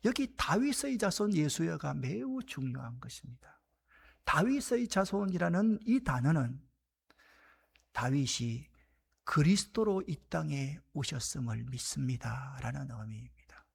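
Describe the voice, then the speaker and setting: A man preaching a sermon as pastor, shouting out acted quotes and then dropping to hushed whispers. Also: high voice, creaky, slightly rough. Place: church sanctuary.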